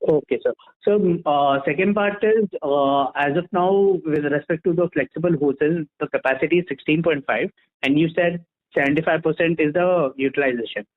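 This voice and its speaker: A tinny phone connection carries an Indian man's fairly high voice. He is an investment analyst putting questions to management, polite and somewhat halting in his delivery. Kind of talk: earnings call questioning. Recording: tinny narrow-band phone line.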